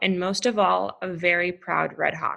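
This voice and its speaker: A woman is speaking. She has an American accent. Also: quiet background. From Wisconsin. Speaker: technical college student. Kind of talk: prepared speech. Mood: earnest, emotional story. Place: classroom. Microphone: webcam.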